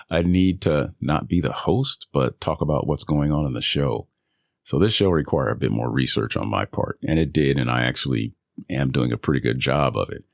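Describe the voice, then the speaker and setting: A voice actor talking casually and loosely about auditions and coaching, with self-amused laughs. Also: male voice, extremely low pitch, creaky, no echo, clean studio sound. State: recovering from a cold. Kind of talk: casual solo vlog. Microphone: studio microphone.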